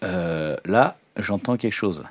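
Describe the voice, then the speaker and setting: A player voicing a flustered, practical handyman in an improvised role-play, halting and colloquial. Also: sits low, expressive, voice pushed down, heavily acted.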